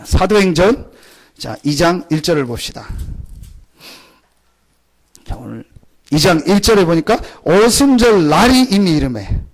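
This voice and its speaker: A man's voice: sits high, animated, a little slow, pauses often. A man preaching a Sunday sermon as pastor, firing questions at the congregation and answering them himself. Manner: call-and-response questions to the congregation; acts out short exclamations in a mock rural voice. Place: church sanctuary.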